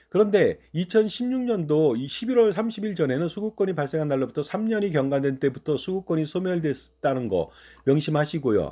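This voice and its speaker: A man's voice: mid-range voice, warm tone. A middle-aged man hosting a finance channel, explaining pension rules step by step and asking the viewer rhetorical questions.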